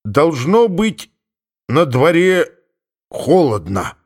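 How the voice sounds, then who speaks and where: A man reading a storybook who voices an embarrassed, pompous older village head in a raised, drawn-out voice. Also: on the high side, big pitch swings, pitched above the performer's own voice, exaggerated voice. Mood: flustered.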